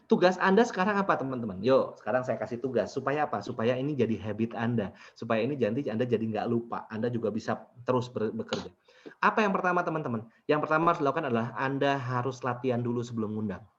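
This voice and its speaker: Lively man leading a business workshop. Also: medium pitch, fast. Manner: lively, keeps asking the audience questions. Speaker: business trainer. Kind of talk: workshop talk to participants. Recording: dull lo-fi recording.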